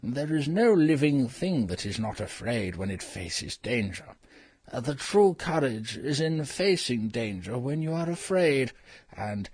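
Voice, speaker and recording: A man's voice: mid-range voice, very animated, a little slow, a little mellow, breathy edge, no room sound, studio quality. A man voicing a sheepish old male humbug wizard in a dramatized audiobook reading, apologetic and coaxing in manner.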